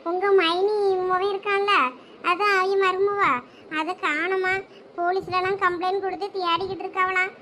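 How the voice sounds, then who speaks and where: A woman's voice: very high-pitched, flat delivery, moderate pace, sharp tone, slight background noise. A woman playing a worried middle-aged village wife telling news to her husband in a village drama.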